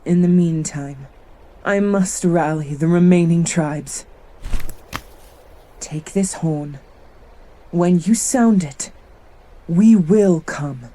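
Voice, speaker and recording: A woman's voice: lowish voice, takes it slowly, long pauses, mellow. A woman playing a grave, wise tribal leader in a fantasy audio drama, speaking with dramatic deliberation. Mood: resolute.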